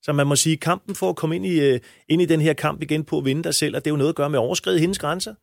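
A man's voice: fairly high pitch, vocal fry, no room sound, clean studio sound. A man talking as a coach in an interview, blunt and emphatic, with frequent crude language. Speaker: men's coach. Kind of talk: interview answers.

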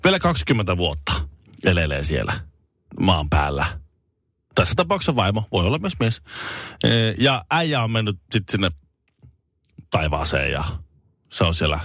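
Recorded at studio quality with no room sound, this podcast co-host pauses often. He tells stories on a relaxed chat show, filling gaps with hesitations and breaking into high-pitched comic voices.

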